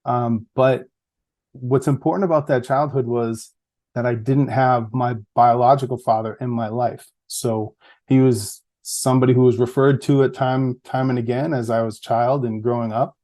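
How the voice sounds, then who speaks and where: A middle-aged man with a central Massachusetts accent, a guest in a casual interview, talking reflectively and easily with fillers and soft laughs. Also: medium pitch, steady tone, moderate pace. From Massachusetts, USA. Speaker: podcast guest, public health researcher.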